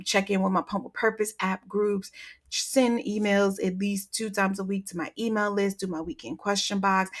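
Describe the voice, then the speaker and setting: A woman's voice: mid-range voice, vocal fry. Chatty woman hosting a podcast. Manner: chatty, animated storytelling with lots of fillers. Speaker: podcast host. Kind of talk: casual solo podcast talk.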